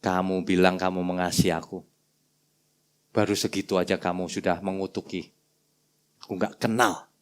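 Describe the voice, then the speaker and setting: A man voicing a grave male teacher who rebukes a follower in a low, quiet voice. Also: flat delivery, moderate pace, pauses often, close to an everyday voice. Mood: reproachful.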